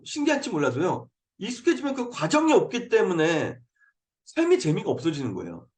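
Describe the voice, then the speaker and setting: A man giving an earnest motivational talk to a video-call group, coaxing listeners and often saying a quick affirming "yes" between points. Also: fairly high pitch. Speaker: motivational speaker hosting a habit program. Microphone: video call mic.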